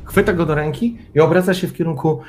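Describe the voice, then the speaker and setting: A man's voice: a little high, quick pace, darkish tone, a little hiss or hum. Man narrating a tabletop game. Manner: immersive second-person narration with dramatic build-up. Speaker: game master.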